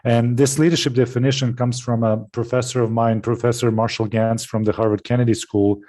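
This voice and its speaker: A man from Serbia, giving a presentation over a video call, full of pauses, fillers and restarts. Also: mid-range voice, little pitch movement, dark tone. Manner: hesitant, many fillers and restarts. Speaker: webinar presenter. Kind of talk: online presentation. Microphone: video call with headset.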